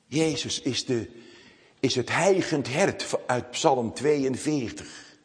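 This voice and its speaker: Slow preacher in a reverberant church. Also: male voice, mid-range voice. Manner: slow, solemn preaching with dramatic pauses. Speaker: pastor. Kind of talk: sermon. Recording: long reverb of a church hall.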